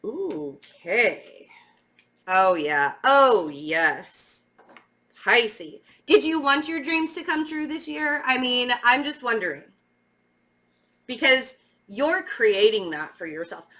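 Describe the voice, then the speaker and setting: Middle-aged woman, sharp bright voice, slight stammer, casual tarot reader, emphatic halting delivery. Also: medium pitch. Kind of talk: casual spiritual tarot reading to viewers.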